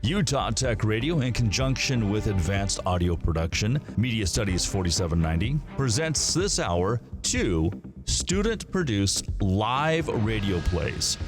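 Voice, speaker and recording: A male radio announcer delivers a scripted, showy introduction. His voice is fairly low and swoops with lively intonation. Music plays clearly behind him. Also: a little slow. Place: radio studio, live broadcast.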